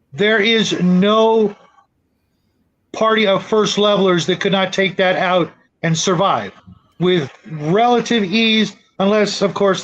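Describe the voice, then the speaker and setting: A man's voice: high-pitched, fairly bright tone. A man on a podcast panel, casually explaining his point of view over a dull, lo-fi mic. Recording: dull lo-fi mic, clear background noise.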